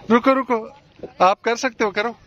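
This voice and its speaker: A man's voice: very high-pitched, animated, takes it slowly, a bit bright. A young man, vlogging at an outdoor park and coaxing his child along in a playful, encouraging way. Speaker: vlogger father. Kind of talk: casual vlog chat. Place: outdoor amusement park by a lake. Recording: muffled outdoor recording with noise.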